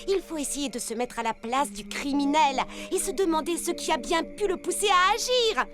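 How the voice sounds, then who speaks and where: An actress voicing an excitable young woman who plays detective in a French cartoon dub, theatrical and full of dramatic exclamations. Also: sits high, moderate pace. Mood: sleuthing. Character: Baba Hortensia, excitable young woman fancying herself a detective. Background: cartoon music.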